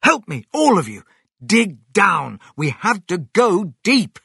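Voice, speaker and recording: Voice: medium pitch, slow, bright, forceful tone, no echo, studio quality, exaggerated voice. A storybook narrator voicing a clever, commanding father fox with an urgent, emphatic delivery. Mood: urgent, shouting. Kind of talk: children's storybook character voice.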